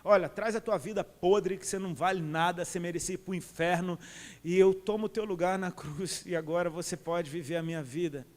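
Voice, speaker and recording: A man's voice: sits high, steady tone, fairly quick. A middle-aged man with a Brazilian Portuguese accent preaching a sermon in an impassioned, colloquial way. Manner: impassioned, colloquial, calls listeners "cara". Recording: long reverb of a large hall.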